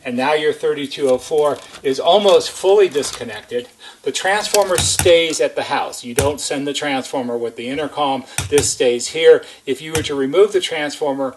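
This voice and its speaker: A man's voice: fairly high pitch, normal speed, background noise. A man giving a hands-on how-to demonstration as a repair technician, methodical and step-by-step, stressing key points.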